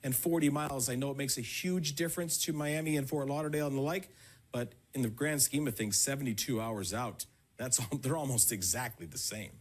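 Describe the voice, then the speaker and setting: A man's voice: medium pitch, fairly quick, breathy edge. A man giving confident, conversational weather commentary on live news. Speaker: weather expert.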